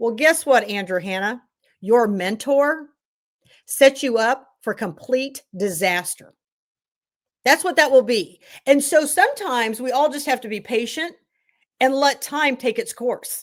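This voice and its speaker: A loud woman with a high pitch speaks at a fairly slow pace in an animated tone with lively intonation and long, frequent pauses, on a very clean recording with a silent background. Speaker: political podcast co-host. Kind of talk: casual political chat. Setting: live stream.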